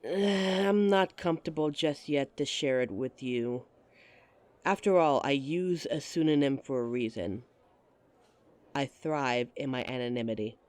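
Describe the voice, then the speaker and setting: A woman's voice: very deep voice, measured pace, darkish tone. A woman performing a scripted roleplay monologue to a listener, playful and giggly, with a teasing manner.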